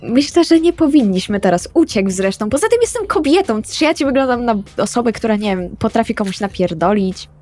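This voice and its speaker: Kobieta grająca wymijającą, spiętą młodą kobietę. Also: female voice, on the high side, lively intonation, brisk, hardly any pauses, a little mellow. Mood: placating. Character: evasive, harried young Norwegian woman calming others. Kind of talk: improvised tabletop roleplay acting.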